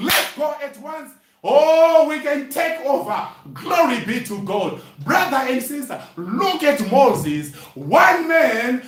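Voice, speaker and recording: A man preaching a fiery sermon, shouting and breaking in with "hallelujah" and "glory be to God" often. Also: very high-pitched. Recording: echoey, from far off the mic.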